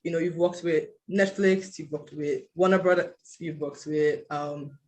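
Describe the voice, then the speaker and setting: An interviewer hosting a casual chat, speaking excitedly with many fillers like you know and like. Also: medium pitch, measured pace. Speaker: interviewer host. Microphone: video call.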